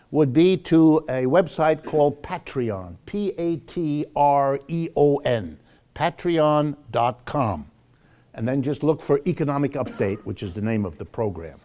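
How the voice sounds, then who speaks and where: An older man speaks as the host of a public lecture. His voice sits at a medium pitch. He is deliberate and emphatic, stretching stressed words and letting asides fall away. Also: dark tone. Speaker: host and lecturer of an economics program. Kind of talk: public lecture with announcements, spoken to a live audience.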